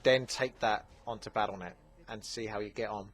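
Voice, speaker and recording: A man with an Essex accent, hosting a gaming channel, answering viewer questions in a relaxed, chatty way with plenty of fillers. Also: on the low side, normal speed. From England. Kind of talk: casual Q&A commentary.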